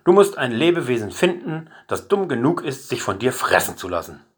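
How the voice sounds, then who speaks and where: Man doing a fairy-tale traveler, hurried, evasive, polite, high husky voice. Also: big pitch swings.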